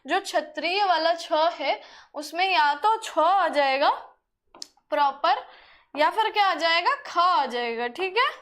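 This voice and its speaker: A woman's voice: extremely high pitch, lively intonation, slow, a bit bright. A young woman teacher giving a chatty grammar lesson, often asking her students rhetorical questions.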